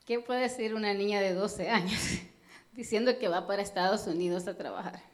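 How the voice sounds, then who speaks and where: Earnest Salvadoran woman giving testimony. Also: mid-range voice. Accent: Salvadoran Spanish. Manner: earnest, halting, with many fillers. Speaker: church member giving testimony. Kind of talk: personal church testimony.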